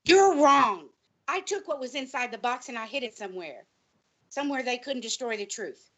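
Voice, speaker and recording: A distraught, high-voiced paranoid librarian. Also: female voice, expressive. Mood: desperate. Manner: dramatic, halting, pleading. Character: distraught, paranoid female college librarian, earnest and insistent. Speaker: guest on a college radio show. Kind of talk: audio drama acting.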